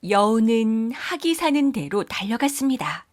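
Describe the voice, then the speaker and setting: A woman's voice: a little high, very animated, moderate pace, dry recording, clean studio sound. A woman storyteller narrating scripted children's folktales.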